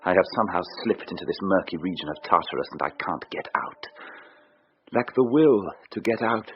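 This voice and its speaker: A brooding gentleman, turning wry and self-reproaching in a low, steady voice. The sound is dull and muffled, like an old radio broadcast. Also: normal speed, slight background noise. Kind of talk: radio drama acting.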